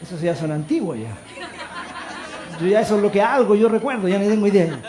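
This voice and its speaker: A man with a Chilean accent preaching a sermon as pastor, moving between loud calls to the congregation and quiet storytelling. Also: high-pitched, lively intonation, fairly quick, crowd noise, background noise. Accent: Chilean Spanish. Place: church. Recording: echoey church hall.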